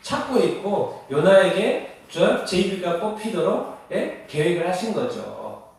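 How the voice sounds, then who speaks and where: Emphatic preacher in an echoey church. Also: male voice, high voice, animated, takes it slowly, creaky, a little mellow. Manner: asks the congregation rhetorical questions, emphatic. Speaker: pastor. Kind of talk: sermon. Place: church sanctuary. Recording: echoey hall, voice heard from a distance.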